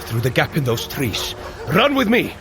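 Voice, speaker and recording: A man's voice: a little high, huge pitch swings, moderate pace. A man playing a bold Norse thunder god and warrior leader in an audio adventure, hearty and commanding, with grand archaic speech. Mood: hearty, urgent. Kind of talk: dramatic audio adventure acting.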